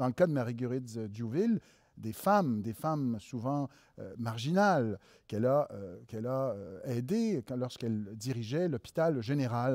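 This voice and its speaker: A man talks with lively intonation and big swings in loudness. The background is quiet and the sound is dry with no echo. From Quebec. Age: 50s. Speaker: historian, interview host; interview host. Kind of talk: interview. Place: stage. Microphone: headset.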